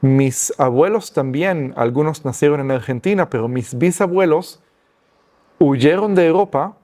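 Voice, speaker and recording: Hombre israelí, español titubeante. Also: male voice, on the high side, a little slow, dark tone. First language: Hebrew. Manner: hesitant, many fillers and restarts, searching for Spanish words. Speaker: guest giving testimony. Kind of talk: personal testimony interview.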